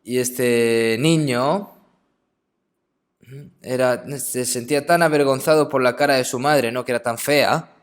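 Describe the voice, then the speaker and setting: A man preaching a sermon in a conversational way, often adding short questioning tags, softening and slowing down when telling stories. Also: mid-range voice, clean tone.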